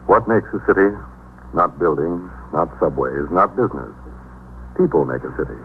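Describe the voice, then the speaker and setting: A man giving a slow, solemn, declamatory prologue for a 1950s radio drama. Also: low-pitched, lively intonation, voice pushed down. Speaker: narrator. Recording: tinny old radio recording with hum.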